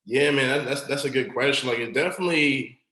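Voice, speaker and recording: A man's voice: mid-range voice, quick pace. Slangy young man in a roomy space. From Long Island, New York. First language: Igbo. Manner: relaxed, slangy, many "like" fillers. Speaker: guest. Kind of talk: casual podcast conversation. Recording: roomy echo.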